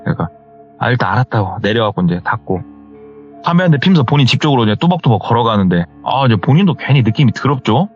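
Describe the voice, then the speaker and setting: Male horror narrator, very animated delivery, acts out quotes; dull lo-fi sound, faint music bed. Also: medium pitch, fast talker. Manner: animated retelling, acting out quoted people in raised voices. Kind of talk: retelling a true horror story.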